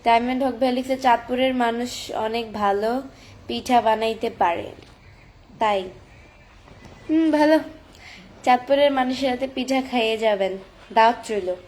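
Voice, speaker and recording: A woman's voice: a little high, steady tone, moderate pace, darkish tone, a little hiss or hum. A teenage girl with a Chandpur Bengali accent chatting on a live stream, reading viewer comments aloud and answering them on her phone. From Bangladesh. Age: teens.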